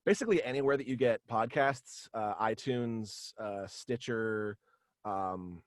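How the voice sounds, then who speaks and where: A young man talking casually as an interview guest, in a halting, rambling way over a video call. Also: on the low side, no room sound, studio quality. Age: young adult. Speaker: guest, voice actor and podcast creator. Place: small room at home, video call.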